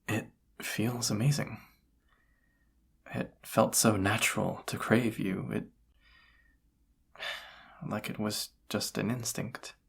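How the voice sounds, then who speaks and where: A young man playing a flustered, lovestruck incubus in an intimate romantic audio roleplay, speaking haltingly in a breathy, husky voice. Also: lowish voice, fairly bright tone, exaggerated voice. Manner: halting, hesitant delivery with stammers.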